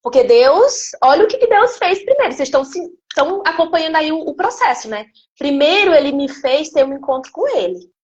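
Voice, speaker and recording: A woman, a guest giving an emotional personal testimony in an animated storytelling way. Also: sits high, fairly quick, hardly any pauses, dull audio. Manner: animated storytelling, acting out quoted speech. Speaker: interview guest.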